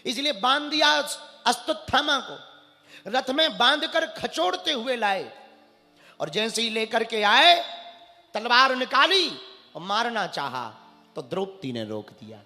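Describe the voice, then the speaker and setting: Male preacher, high bright voice, slow telling, acts out lines, reverberant hall with soft music. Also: sing-song. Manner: acts out characters' lines, chants Sanskrit verses. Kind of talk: devotional storytelling sermon. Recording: large hall with long reverb, faint music.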